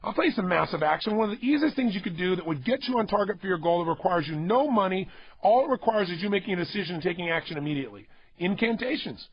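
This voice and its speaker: A man's voice: high-pitched, animated, fast, lo-fi sound. A man giving a motivational talk to a studio audience, emphatic, repeating himself and urging listeners to act. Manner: emphatic, repetitive and exhorting. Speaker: motivational speaker.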